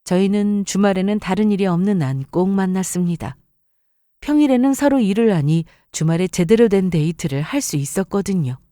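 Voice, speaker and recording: A woman's voice: medium pitch, lively intonation, a little fast, warm tone, no room sound, studio quality. A woman reading a scripted first-person story as a narrator.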